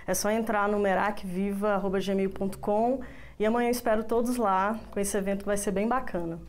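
A woman's voice: mid-range voice, steady tone, fairly quick, darkish tone. A woman in her thirties from Brazil, a project coordinator answering questions in a TV studio interview, talking casually with fillers and restarts. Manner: casual, fillers and restarts, uses "a gente vai tá". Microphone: lapel mic.

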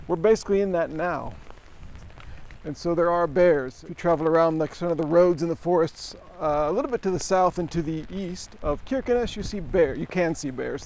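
A middle-aged man chats to the camera he holds at arm's length while he walks. His voice sits a bit high and carries a gravelly edge, with wry asides to the viewer. Faint outdoor sound lies beneath him. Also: a little mellow, a little hiss or hum. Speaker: travel vlogger. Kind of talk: casual walking vlog narration. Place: outdoors on rainy town streets and inside a shop. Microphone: handheld camera at arm's length.

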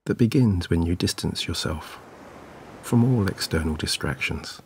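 A man narrating a scripted guided sleep meditation in a soothing, gentle, measured way. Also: low-pitched, expressive, slight background noise. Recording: clear background ambience of waves. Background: relaxing ocean wave sounds.

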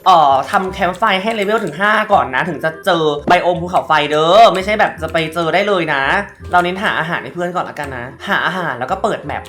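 A woman's voice: on the low side, fast talker, hardly any pauses, a bit bright. A woman hosting a game let's play, chatting politely and shrieking now and then. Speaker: gaming host.

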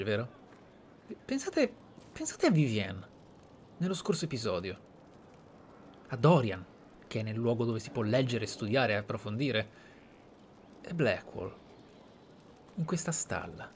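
A man's voice: medium pitch, big pitch swings, a little slow, pauses often, darkish tone, slight background noise. A man with an Italian accent hosting a roleplay game playthrough, commentating in a reflective, conversational way. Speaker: host, game streamer. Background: game music.

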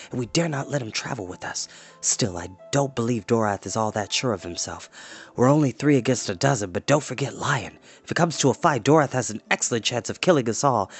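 An earnest young adventurer in a storybook, read by a man. He reasons in a hushed, measured, thoughtful way and sounds cautious. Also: mid-range voice, lightly acted.

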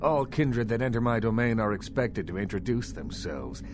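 An actor as a formal, faintly menacing vampire baron. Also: male voice, lowish voice, lively intonation, moderate pace, over music, close to an everyday voice. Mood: formal, veiled menace. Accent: American. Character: formal, wary male vampire baron welcoming underlings. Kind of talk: scripted game dialogue.

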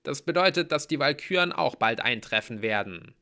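A man reading aloud and voicing a grumpy, sharp-tongued young woman warrior, scolding and snappish. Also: mid-range voice, lively intonation, normal speed, voice pushed up. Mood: sarcastic.

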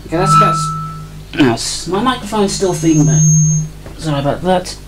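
A woman's voice: fairly low pitch, animated, normal speed, over music, rough recording. A woman giving a casual, wry commentary while tinkering at a workbench, with apologetic asides, recorded on a desk microphone. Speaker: hobbyist radio tinkerer. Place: indoor workbench. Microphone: desk microphone near an amplifier.

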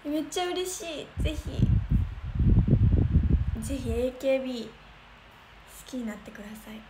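A woman's voice: high-pitched, animated, moderate pace. A young woman from the Kansai region chatting casually on a livestream, bubbly and full of fillers as she answers comments. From Kansai region of Japan. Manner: chatty, bubbly, thinks aloud with many fillers. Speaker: idol livestreamer. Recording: echoey room with noticeable noise.

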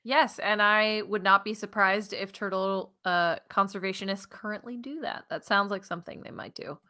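An American woman in her thirties co-hosting a science podcast, explaining things conversationally in an animated way. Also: medium pitch, moderate pace. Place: living room at home, indoors. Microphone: headset on a video call.

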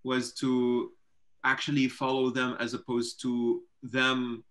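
A man in his thirties with a Lebanese accent speaks as an interview guest on a video call. His voice is bright and mid-pitched. He explains things casually but haltingly, often repeating words. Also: completely flat delivery. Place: home room with bookshelves, video call. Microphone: computer microphone on video call.

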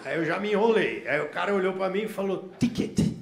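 A man's voice: sits high, quick pace. A Brazilian man doing stand-up, telling a story with slang and curses and acting out the dialogue in other voices. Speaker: stand-up comedian. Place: comedy stage before a laughing audience. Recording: echoey live room, audience noise.

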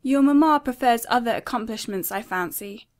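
A woman's voice: on the high side, moderate pace, voice pushed up, lightly acted. A woman voicing a gracious but condescending, self-assured genteel young lady in an audiobook. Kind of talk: audiobook character dialogue.

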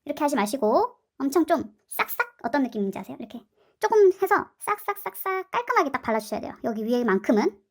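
A woman's voice: sits high, sing-song, fast. A woman hosting a craft tutorial, chatting playfully and adding cute sound words as she works. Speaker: slime and clay craft channel host. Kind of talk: casual craft tutorial narration.

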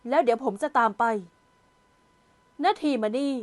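A woman's voice: high voice, normal speed, dry recording, lightly acted. A woman doing a cold, curt young man barking orders. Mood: cold stern.

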